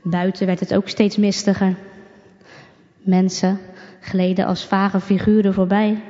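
A woman calmly reading a storybook aloud, unhurried, with small slips. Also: mid-range voice. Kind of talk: storybook narration read aloud. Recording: dull recording with long reverb.

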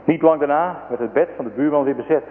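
A man's voice: on the high side, fast talker, narrow, tinny audio. A man narrating a religious story in a solemn, preaching manner. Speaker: story reader. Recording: thin echoing radio broadcast.

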